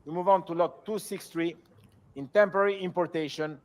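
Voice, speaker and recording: High-pitched male auctioneer calling bids. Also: fairly even intonation. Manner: auctioneer delivery, repetitive, measured bid calls. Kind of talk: live auction calling with formal lot descriptions and repeated bids.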